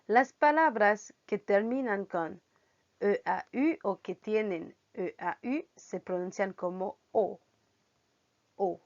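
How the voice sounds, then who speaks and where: A woman teaching French at a very unhurried pace, spelling out letter groups and repeating every sound patiently. Her voice sits mid-range, and the recording is dull and lo-fi. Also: mid-range voice. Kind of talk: language lesson.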